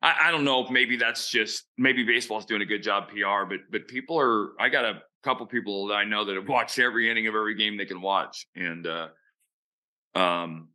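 A man's voice: fairly low pitch, fairly quick, sharp tone. A man giving blunt, opinionated baseball analysis in casual podcast chat. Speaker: baseball analyst and show regular.

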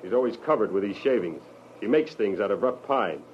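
A jealous, defensive man acted by a man in an old radio thriller. He talks fast, curt and agitated, with lively pitch. The sound is muffled. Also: close to an everyday voice. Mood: hostile, defensive. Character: hostile, jealous, defensive male houseguest. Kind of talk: 1940s radio drama acting. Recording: muffled old radio recording, faint hiss.

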